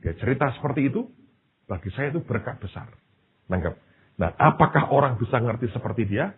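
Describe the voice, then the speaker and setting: Male pastor, raspy, lively pitch, animated sermon storytelling; tinny lo-fi recording. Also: a little fast. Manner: animated storytelling, addresses the congregation directly.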